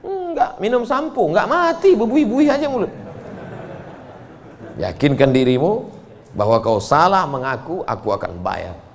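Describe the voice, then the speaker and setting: A man's voice: sits high, sing-song, a little slow, pauses often. A man preaching a sermon, telling stories dramatically with humorous asides and acting out the voices of the people he quotes.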